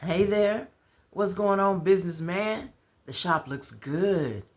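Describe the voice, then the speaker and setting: Woman as sociable male friend in a read-aloud story, animated, casual, raised pitch. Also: takes it slowly. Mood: upbeat, friendly. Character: easygoing male friend, sociable businessman with teaching dreams. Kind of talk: storybook dialogue reading.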